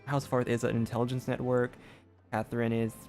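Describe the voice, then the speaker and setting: A woman's voice: very deep voice, level tone, brisk, darkish tone, soft background music. A woman giving casual livestream commentary on a game, musing and reacting aloud. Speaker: game streamer.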